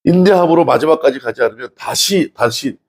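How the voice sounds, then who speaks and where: A man's voice: medium pitch, lively intonation, brisk, slightly rough. A male pastor preaching a sermon in a conversational way, asking the congregation questions and acting out scripture dialogue. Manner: acts out dialogue from scripture stories.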